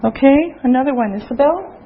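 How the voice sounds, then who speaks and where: A woman teaching an English class, speaking clearly and patiently to the learners. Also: high-pitched, fairly quick, phone-quality sound, slight background noise. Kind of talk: slow classroom instruction.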